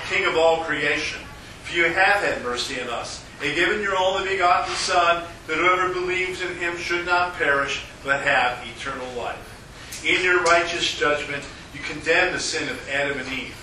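A man leading a worship service as pastor, intoning prayers and liturgy in a measured, solemn way, with a cathedral echo around his voice. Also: on the high side, sharp tone. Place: large church sanctuary. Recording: echoey church, mic from far off, noisy.

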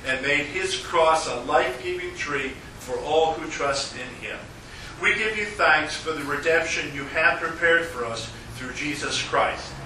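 A man's voice: fairly high pitch, pushed and bright. Man, pastor intoning liturgy, cathedral echo, roomy church from afar, noisy recording. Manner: measured, solemn intoning. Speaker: pastor leading worship. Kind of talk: liturgical chanting and prayer. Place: large church sanctuary. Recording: echoey church, mic from far off, noisy.

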